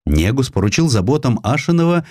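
A man reads a historical tale as scripted audiobook narration, with a dramatic, expressive storytelling delivery. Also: mid-range voice, a little fast, no echo, clean studio sound.

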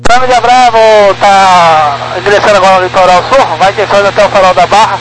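A man's voice: sits high, moderate pace, a bit bright. A man speaking clipped aviation radio phraseology, heard over a walkie-talkie style radio. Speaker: pilot or controller on air traffic radio. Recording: noisy radio transmission with faint hum.

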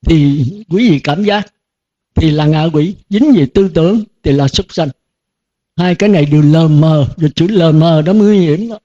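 Older male monk preaching; high voice, mellow tone, folksy and questioning, dull lo-fi sound. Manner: folksy, rhetorical questions, chuckles often. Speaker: Buddhist monk teacher. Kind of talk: dharma talk to disciples. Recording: dull lo-fi recording.

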